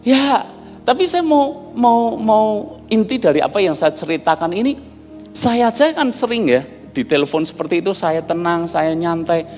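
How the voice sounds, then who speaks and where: A man's voice: high-pitched, expressive, moderate pace, darkish tone. A man preaching a sermon, telling anecdotes and often addressing his listeners directly. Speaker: pastor. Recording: hall reverb with faint music behind.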